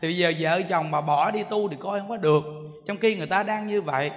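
A man's voice: sits high, quick pace. A monk giving a sermon as a joking storyteller, often asking his listeners rhetorical questions. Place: temple hall with an audience. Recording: echoey hall.

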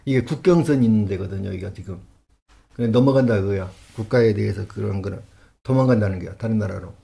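A history channel host with a low, gravelly voice reads old records aloud, then breaks off to argue with them. He sounds incredulous and argumentative, quickly rising to loud emphasis.

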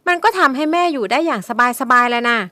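A woman's voice: quick pace, pushed and bright, no echo. A woman voicing a frightened young woman who pleads with her mother in a shaky voice. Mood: accusing. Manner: high-pitched, pleading, shaky.

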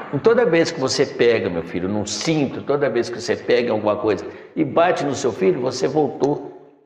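Seated in a decorated room, a middle-aged spiritual teacher lectures in a preachy way, calling his audience "my son." His voice is medium in pitch, a bit mellow, with vocal fry, and the far-off camera picks up a room full of long, echoing reverb.

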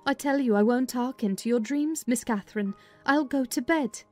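A woman's voice: fairly high pitch, moderate pace, mellow, lightly acted. A woman voicing a sensible, skeptical servant woman in a dramatized audiobook, practical and chiding. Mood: chiding, uneasy. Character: sensible, skeptical servant woman advising her young mistress. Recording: music under the voice.

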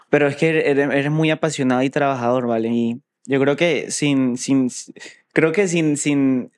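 A young man, chatting and teasing casually. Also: mid-range voice. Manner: joking, teasing, relaxed banter. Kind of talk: casual chat.

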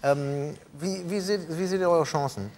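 A man's voice: fairly high pitch, a little slow, a little mellow. A middle-aged man hosting a late-night TV talk show, joking casually with his guests and hesitating often. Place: TV studio with audience.

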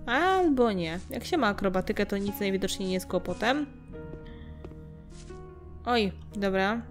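A woman's voice: mid-range voice, expressive, measured pace. A young adult woman giving casual let's-play commentary, chatting and muttering to herself as she plays. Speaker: gameplay streamer. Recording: game music faintly behind.

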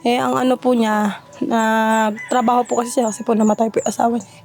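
Young filipina mom, high voice, talks fast, super polite, rambly explanations. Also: female voice, flat delivery, a little mellow, faint music behind. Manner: polite, many respectful particles, rambling explanations. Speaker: mother being interviewed. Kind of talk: casual conversation.

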